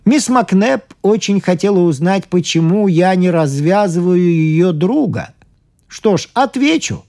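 A woman's voice: fairly low pitch, voice pushed up. Woman doing a haughty lecturing scientist. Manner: calm, lecturing, measured. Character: haughty, self-assured male scientist.

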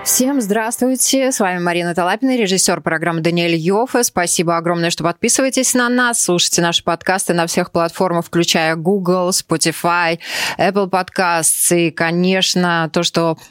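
A woman's voice: fairly low pitch, normal speed, dry recording, soft background music. A woman hosting a studio podcast, friendly, with many filler sounds and a shifting pace. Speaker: podcast host. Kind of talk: hosting a studio talk show.

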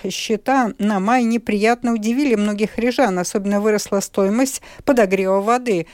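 A woman reading scripted radio news in a measured, even way. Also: medium pitch, no echo. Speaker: radio newsreader. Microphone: studio microphone. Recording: dry close studio sound.

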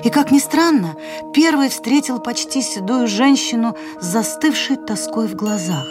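An actress narrating a fairy tale for radio in an expressive, measured storytelling voice. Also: female voice, a little high. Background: music.

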